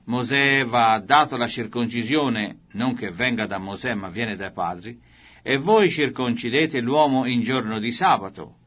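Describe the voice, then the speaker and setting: A man reading the words of Jesus as a solemn, calm male preacher in a measured scripture reading. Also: medium pitch, highs cut off, lightly acted.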